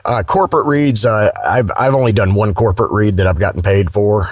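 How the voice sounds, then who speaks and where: A man's voice: lowish voice, a little fast, no room sound, clean studio sound. A man speaking as a guest voice actor in a casual podcast interview, candid and salty-tongued.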